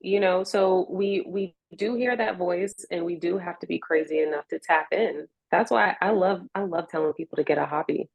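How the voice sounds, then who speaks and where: A woman's voice: fairly low pitch, normal speed, gravelly, hardly any pauses, dry recording, rough recording. An American woman in a reflective interview conversation, speaking in an earnest, encouraging way. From Richmond, United States.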